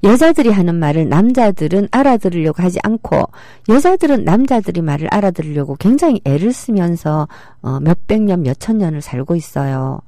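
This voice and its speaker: A woman's voice: fairly low pitch, big pitch swings, brisk, hardly any pauses, warm tone, no room sound, clean studio sound. A middle-aged woman giving a public lecture, explaining with rhetorical questions and acting out quoted speech.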